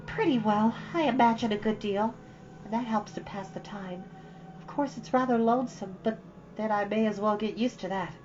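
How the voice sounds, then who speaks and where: A woman voicing an imaginative, talkative orphan girl who speaks in a high, gushing, dramatic way. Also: moderate pace, darkish tone, soft background music, close to an everyday voice. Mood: earnest. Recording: slightly dull lo-fi recording.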